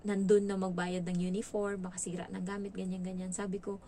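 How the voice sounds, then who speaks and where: A woman from the Philippines working as a domestic helper, telling her story in a casual, lively way, acting out quoted dialogue and mixing in English words. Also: medium pitch, a little fast, a little hiss or hum.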